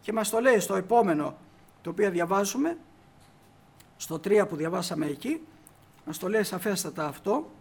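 A man's voice: high-pitched, expressive, creaky, pauses often, slightly rough. A man preaching a sermon emphatically, putting rhetorical questions to the congregation.

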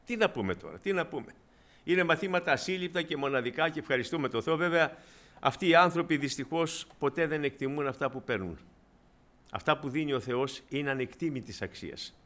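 A man preaching a sermon in a conversational, storytelling way, often addressing his congregation as brothers and dropping low and quiet for emphasis. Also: animated.

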